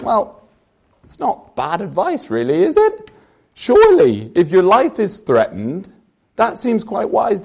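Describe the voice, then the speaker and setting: An Irish man in early adulthood preaches with an earnest, conversational manner. He moves between reading scripture and telling personal stories. His voice sits a little higher than most men's. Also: darkish tone. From Ireland. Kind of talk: sermon.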